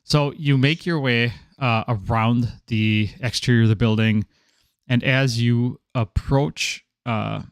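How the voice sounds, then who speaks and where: Halting man narrating as game master. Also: medium pitch, steady tone, clean tone, dry recording. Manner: halting, with many fillers and chuckles.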